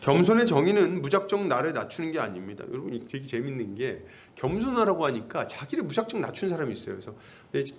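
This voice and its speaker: A male pastor delivers a sermon in a chatty tone, often asking the congregation rhetorical questions. His pitch sits a little high for a man and moves up and down a lot, and he slips into acted-out snippets of everyday talk. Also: very animated, fast talker, few pauses. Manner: conversational, acts out little dialogues.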